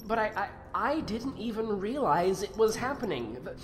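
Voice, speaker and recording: A woman's voice: medium pitch, expressive, moderate pace, slight background noise, natural voice. A woman playing an earnest, troubled young mage apprentice in an audio drama, hesitant and polite. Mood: shaken, pleading.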